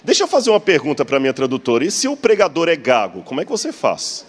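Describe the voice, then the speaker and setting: A man's voice: fairly high pitch, wildly swooping pitch, quick pace. A man preaching a sermon in a full church, talking conversationally, joking with the congregation and posing rhetorical questions.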